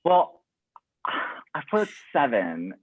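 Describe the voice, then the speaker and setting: Wildly animated, low, slow-talking woman. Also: phone-quality sound. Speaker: trivia game contestant. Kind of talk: casual banter. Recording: heavy background noise and clicks.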